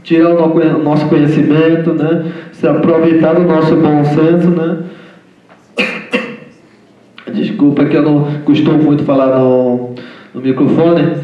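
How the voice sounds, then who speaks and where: Man, indigenous guest lecturer, non-native speaker, halting delivery; distant, dull, roomy recording. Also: a little high, level tone. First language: indigenous language. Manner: halting, repeats "né?" constantly. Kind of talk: informal lecture talk. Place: lecture room. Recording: echoey hall from far off, dull sound.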